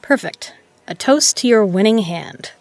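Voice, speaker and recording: A woman playing a shrewd, proud poker legend who runs a bar, brash, sardonic and quick to swear, in an audio drama. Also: medium pitch, animated. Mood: slyly friendly. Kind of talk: dramatic audio roleplay acting.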